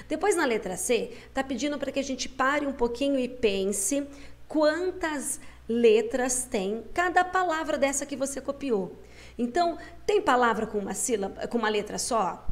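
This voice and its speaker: A woman teacher with a voice on the high side guides young pupils through a schoolbook lesson. She's patient and coaxing, slowing down to sound out syllables.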